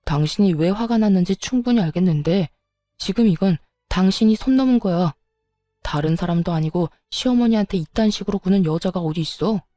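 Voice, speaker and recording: An exasperated husband who scolds sharply, as a woman narrator puts him on. The voice is warm and mellow, recorded dry and close. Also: on the low side, fairly quick, no room sound, faint music behind, lightly acted. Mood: scolding. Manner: scolding, frustrated.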